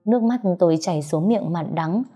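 A woman narrating an emotional first-person love story in a soft, heartfelt way. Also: fairly low pitch, a little fast. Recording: slightly muffled, soft background music.

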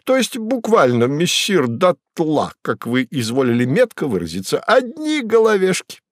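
A man voicing a jittery, theatrical male demon sidekick who speaks in a shrill, agitated voice. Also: wildly swooping pitch, moderate pace, dry recording, clean studio sound. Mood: mournful.

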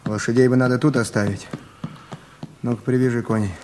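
An actor playing a brash, edgy young villager turned bandit in a Russian radio drama, clipped and commanding. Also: male voice, medium pitch, fairly even intonation, brisk, noisy background, close to an everyday voice. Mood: brisk command.

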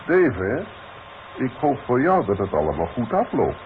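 Stern company boss, formal and authoritative. Vintage Dutch radio play, dull noisy recording. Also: male voice, mid-range voice, huge pitch swings, normal speed. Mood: stern, concerned. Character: stern, cautious boss disclaiming responsibility.

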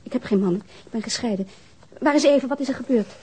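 A woman playing an anguished mother in a radio crime drama, halting and repeating her words in shock. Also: fairly high pitch, warm tone. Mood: anxious, urgent. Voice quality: breathy, fragile, husky. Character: distraught divorced mother of a missing little girl.

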